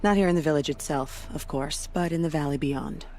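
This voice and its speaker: A woman's voice: deep voice, brisk, a little mellow, slight background noise, lightly acted. A woman playing a stern, weary, proud tribal war leader in a video game cutscene. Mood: grave, resolute.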